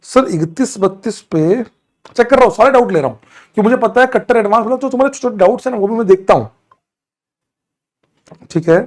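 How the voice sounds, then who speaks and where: High-voiced teacher scolding students. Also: male voice, lively intonation, brisk, long pauses. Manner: scolding, teasing students in chat, mixing English terms. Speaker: chemistry teacher. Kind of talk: live online lecture answering doubts.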